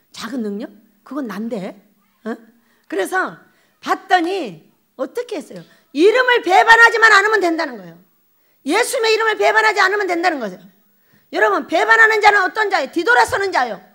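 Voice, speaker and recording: Lively high-voiced woman pastor preaching. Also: a little fast. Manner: animated and folksy, asks the congregation questions; acts out quoted voices with laughter. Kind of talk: sermon. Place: prayer retreat sanctuary.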